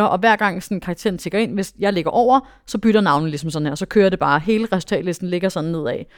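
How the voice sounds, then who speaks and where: A young woman, a dressage rider, telling a story in a casual interview with lots of fillers and bursts of excitement. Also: mid-range voice, dry recording, clean studio sound. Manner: animated, excitable, many fillers.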